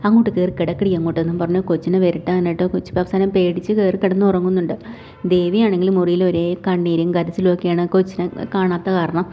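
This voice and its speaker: A woman's voice: lowish voice, flat delivery, quick pace, muffled recording. A woman casually retelling the plot of a TV serial in long run-on sentences, dropping little tag fillers. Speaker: TV serial recap narrator.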